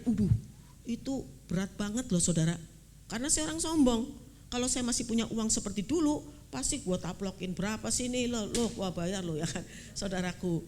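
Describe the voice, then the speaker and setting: An older woman evangelist, preaching a sermon through a lively personal testimony and often addressing the congregation directly. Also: medium pitch, slight background noise. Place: church.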